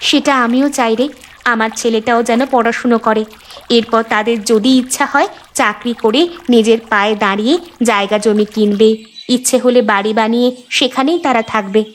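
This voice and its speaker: A woman playing a gentle, resigned river gypsy mother in a cartoon, speaking earnestly and plaintively. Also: a little high, fairly even intonation, a little fast, natural voice. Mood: gentle, contented. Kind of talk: cartoon dialogue acting.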